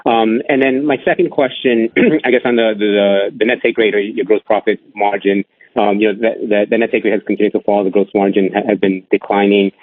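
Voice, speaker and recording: A man with a lowish voice speaks over a narrow phone line. He puts questions as a financial analyst, politely and haltingly, restarting his phrases while keeping up a quick pace. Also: steady tone, dry recording. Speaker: analyst asking questions on an earnings call. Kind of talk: spontaneous business questioning.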